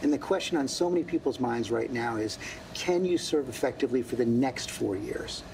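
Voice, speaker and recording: Gravelly male interviewer pressing questions. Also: mid-range voice, animated, a little fast, a little mellow. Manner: persistent, stammering on the first word. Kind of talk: probing television interview. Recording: noisy archive broadcast clip.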